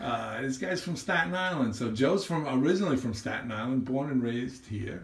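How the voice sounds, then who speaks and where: Over noticeable background noise, a man with a medium pitch talks at a fairly quick pace with lively intonation and hardly any pauses. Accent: New York. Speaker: model railroad hobbyist, channel host. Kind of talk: casual chat. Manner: halting, many fillers.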